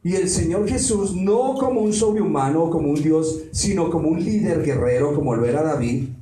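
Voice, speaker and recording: A pastor preaches a sermon, posing rhetorical questions to the congregation in a slightly high, animated, warm voice at a moderate pace. He is captured from a distance in a roomy hall with faint noise.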